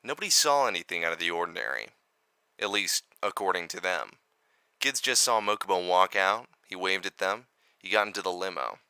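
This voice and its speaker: Man acting a deep, crisp, earnest aide. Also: expressive, a little fast, bright, forceful tone, no echo, heavily acted. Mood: concerned. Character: earnest male security aide reporting back. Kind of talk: audio drama acting.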